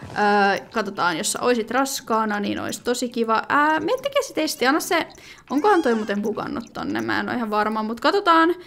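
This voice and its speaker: A woman talks her way through a video game in a casual, rambling commentary. Her voice sits on the high side and swings widely in pitch. She fills gaps with hesitations and breaks off into sudden exclamations. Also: lively intonation, a bit bright, a little hiss or hum. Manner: chatty, thinking aloud with many fillers and sudden exclamations. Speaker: gaming video creator.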